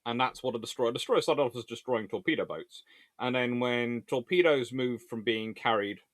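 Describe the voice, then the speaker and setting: Recorded dry and at studio quality, a man with a mid-range voice speaks at a moderate pace. He hosts naval history videos, and in this informal explainer and viewer Q&A he reasons through debates discursively and with emphasis.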